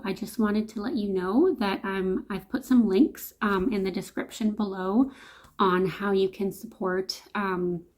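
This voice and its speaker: A woman's voice: medium pitch, a little mellow. A woman with a Canadian accent talking to camera in a casual, chatty, informal vlog style. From Canada, immigrated from Slovakia at five. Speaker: vlogger, host.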